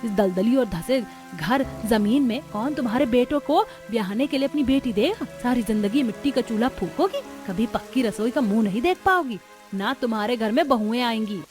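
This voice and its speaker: A woman's voice: a little high, expressive, normal speed, a little mellow, faint music behind, close to an everyday voice. A woman voicing a jealous older sister-in-law who taunts and scorns. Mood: scornful.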